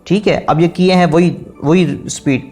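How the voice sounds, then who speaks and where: A man with a Pakistani Urdu accent teaching an online naat singing lesson, politely explaining, counting repetitions aloud and singing drawn-out phrases. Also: fairly high pitch, fairly even intonation, darkish tone, faint music behind.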